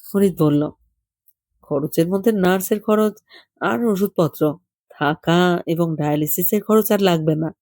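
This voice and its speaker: Audiobook story reader, medium pitch, warm dark tone, intimate fireside storytelling, dry sound. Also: measured pace, pauses often, no room sound. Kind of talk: scripted narration of a literary short story, unhurried storytelling.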